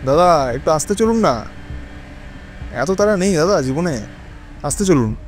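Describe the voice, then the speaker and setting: An actor playing an anxious, hesitant widower in an audio drama, speaking dramatically in halting short phrases. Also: male voice, a little high, expressive. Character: anxious, hesitant widowed lover narrating his own unease. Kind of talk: Bengali audio drama narration and dialogue. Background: dramatic music.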